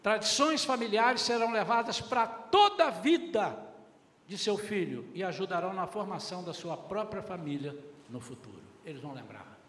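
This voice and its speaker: A man's voice: high voice, animated, normal speed, a bit bright. A middle-aged man preaching a sermon as pastor, addressing the congregation and acting out little family dialogues. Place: church hall. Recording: echoey hall with faint room noise.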